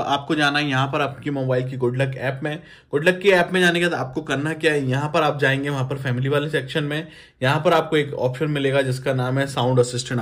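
A man speaks at a middle pitch. He walks viewers through phone features in a casual, step-by-step tutorial style, repeating instructions and addressing them as friends. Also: a bit bright. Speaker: tech YouTuber.

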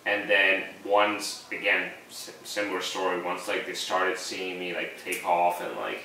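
A man's voice: low-pitched, unhurried, bright, forceful tone, slight background noise. A man whose first language is Spanish, in casual, earnest podcast chat, talking motivation with many fillers. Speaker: podcast guest. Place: living room with couch. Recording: echoey room, mic far off.

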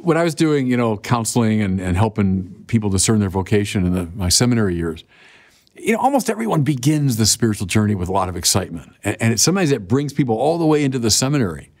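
Recorded on a lapel mic in a dim studio, this sermon comes from a bishop in his sixties whose voice is on the low side and quick. He preaches conversationally and with animation, frequently speaking straight to his audience.

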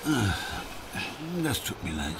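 An actor playing a gossipy married neighbour, hesitant and hemming, in an audio drama. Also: male voice, low-pitched, sing-song, slow pace, very noisy, heavily acted. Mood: apologetic. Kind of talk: German audio drama acting.

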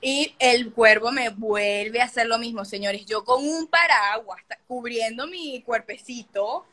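Bright-voiced young woman storyteller. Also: on the high side, unhurried. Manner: animated, swears often, acts out scenes. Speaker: livestream host. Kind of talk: casual storytelling.

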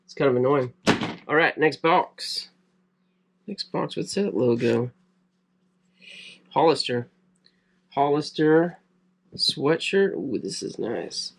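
A man's voice: fairly high pitch, animated, takes it slowly, pauses often. A man in his thirties chatting casually to camera while sorting clothes from a storage locker in a cluttered room. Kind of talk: casual unboxing commentary to camera.

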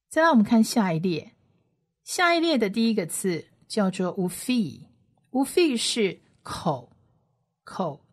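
A woman teaching biblical Hebrew on a radio lesson, patiently spelling out letters and repeating each sound slowly. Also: mid-range voice.

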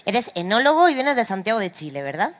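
A woman's voice: medium pitch, sing-song, brisk. A woman hosting a live interview on a trade fair stage, chatty and a little teasing. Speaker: host. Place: stage in a large indoor trade fair hall.

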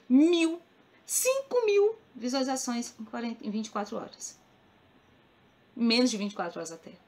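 A woman with a Ceará accent from northeastern Brazil speaks straight to her viewers as a crochet vlogger. Her voice sits a little high, and she talks earnestly and emphatically, circling back to repeat her points. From Cariri region of Ceará, northeastern Brazil. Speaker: crochet YouTuber. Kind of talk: casual talk to the camera.

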